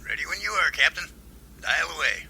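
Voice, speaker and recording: A man's voice: fairly high pitch, big pitch swings, brisk, vocal fry, noisy background. A man playing a genial, folksy professor and researcher in an amateur audio drama. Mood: affable. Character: genial, enthusiastic male professor and Bigfoot researcher.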